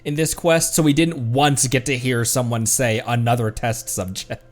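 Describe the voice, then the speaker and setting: A man's voice: mid-range voice, steady tone, normal speed. A man streaming a game, giving casual, playful, quippy commentary and echoing lines from it. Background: faint game music.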